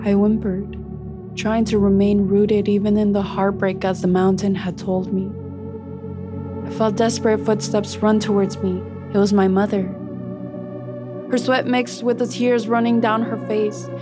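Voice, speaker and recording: An earnest, sorrow-touched young maize plant played by a woman tells its own story. The delivery is scripted, deliberate and emotive, in a mid-range voice with light music underneath. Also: mid-range voice, little pitch movement, close to an everyday voice. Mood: sorrowful. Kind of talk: scripted first-person story narration.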